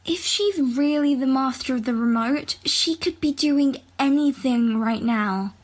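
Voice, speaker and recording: A stern, bossy young twin sister played by a woman in an audio drama. She speaks slowly in a very high voice, with condescension.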